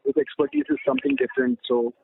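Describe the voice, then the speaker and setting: Animated Indian man on the phone. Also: very high voice, quick pace, creaky, slight background noise. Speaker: investor asking questions. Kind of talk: spontaneous questioning on a call. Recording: narrow phone line.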